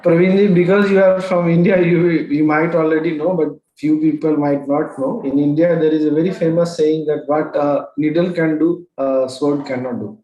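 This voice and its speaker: A man's voice: on the high side, steady tone, highs cut off. Man guiding meditation, roomy echo. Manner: gentle, unhurried and encouraging. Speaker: spiritual teacher leading a session. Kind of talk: guiding a group meditation call.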